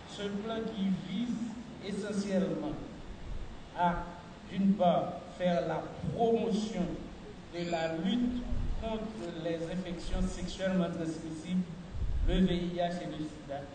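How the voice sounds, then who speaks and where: A middle-aged man gives a formal, measured speech as a health official at a podium mic in a large hall. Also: sits high. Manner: measured, deliberate official delivery. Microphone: podium mic on a stand. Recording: echoey hall, far from the mic, noisy.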